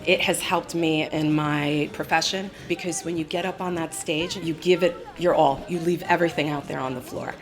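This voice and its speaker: A woman's voice: deep voice, steady tone, normal speed, hardly any pauses. A woman who works as an attorney and dances flamenco, speaking confidently and emphatically. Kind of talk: interview. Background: flamenco music.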